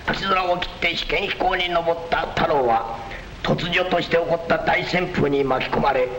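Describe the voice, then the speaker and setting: A man declaims a dramatic tale like a street storyteller. His slightly high, theatrical voice rings with heavy echo over the faint hiss of an old film soundtrack. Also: fast talker, a bit bright.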